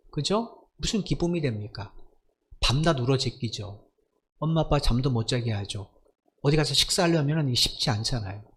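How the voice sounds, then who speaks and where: A male pastor preaching a Sunday sermon, emphatic, asking the congregation rhetorical questions. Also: medium pitch.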